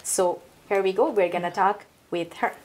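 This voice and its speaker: A woman hosting a TV studio interview, effusive and halting, with frequent uhs. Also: mid-range voice, fairly even intonation, darkish tone. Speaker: TV host.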